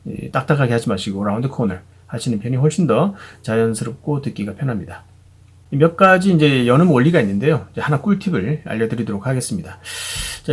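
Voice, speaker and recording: Husky-voiced man teaching pronunciation. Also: mid-range voice. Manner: patient, chatty, frequent fillers and "그죠?" check-ins. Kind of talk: explanatory video lesson.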